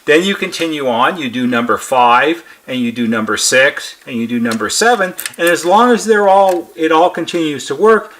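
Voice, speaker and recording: A man's voice: mid-range voice, a bit bright. A man presenting as a repair technician, methodically explaining a hands-on procedure step by step and plainly repeating his points. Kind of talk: step-by-step instructional demonstration.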